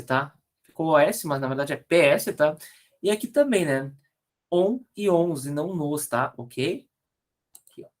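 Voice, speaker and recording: A man with a Brazilian Portuguese accent teaching an online grammar lesson, explaining rules patiently and checking in with frequent tag questions. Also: a little high. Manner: spells out letters slowly, corrects slide errors aloud.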